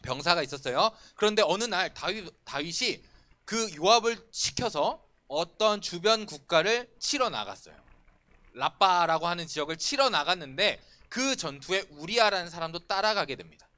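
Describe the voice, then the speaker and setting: A man in his thirties preaching to teenagers in a lively, conversational way, asking questions and answering them himself. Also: sits high, moderate pace. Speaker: youth pastor. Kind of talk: sermon to teens. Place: church sanctuary.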